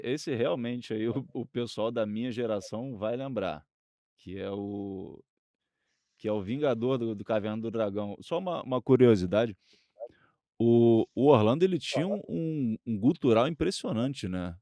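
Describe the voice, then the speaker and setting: A man's voice: medium pitch, normal speed, mellow, dry recording, studio quality. A man with a Brazilian accent co-hosting a casual discussion, hesitantly restarting his phrases. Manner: hesitant, repeats phrase starts.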